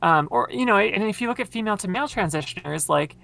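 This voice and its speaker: A podcast guest with a very low, creaky, slightly bright voice talks fast and expressively, explaining at length in a casual, filler-heavy way. Her voice sounds worn from talking so long.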